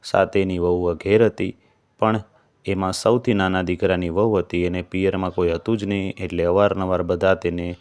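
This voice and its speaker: A man narrating a devotional fasting story in a calm, steady manner. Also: low voice, clear, resonant tone.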